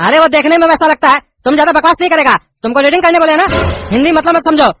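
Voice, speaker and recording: Performer voicing a fast, scolding schoolteacher. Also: high voice, over music, lightly acted. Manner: scolding, exasperated. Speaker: teacher.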